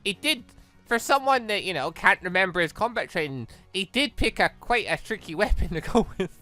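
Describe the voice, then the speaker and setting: Gaming host, read-along commentary, bright forceful tone, very animated pitch, rambling asides, light background music. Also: brisk. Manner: animated, rambling, slips between reading and reacting. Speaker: YouTube host reading a visual novel aloud.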